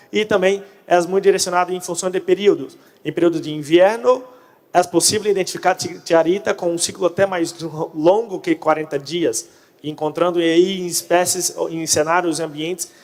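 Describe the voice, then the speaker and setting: A man's voice: high voice, darkish tone. Brazilian man presenting in Portunhol, echoing hall. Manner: speaks Portunhol, Portuguese mixed with Spanish. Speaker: conference speaker on pest control. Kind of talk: conference presentation. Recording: echoey hall, long reverb.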